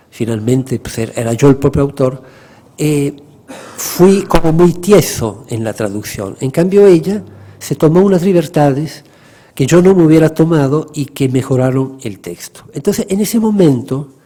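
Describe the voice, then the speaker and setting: Fairly slow speech comes from a man with an Italian accent. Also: fairly high pitch for a man, lively intonation. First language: Italian (speaking Spanish). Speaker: poet and writer. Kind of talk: literary reading with talk. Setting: public library event with audience.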